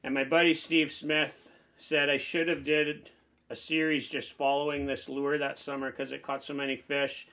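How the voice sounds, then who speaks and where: A man in his forties with a slightly raised pitch and a bright, forward tone. He talks in a loose, rambling, enthusiastic way, like a host giving a casual tour. He is close to a handheld camera in a small indoor room. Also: flat delivery, normal speed. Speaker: fishing channel host. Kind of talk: casual show-and-tell walkthrough. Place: small indoor man cave packed with lures.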